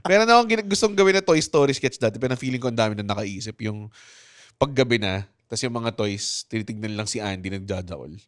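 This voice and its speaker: A man's voice: on the low side, lively intonation, fast, no room sound. A man, co-hosting a podcast in casual comedic chat, crude and joking, often quoting movie lines. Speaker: podcast co-host.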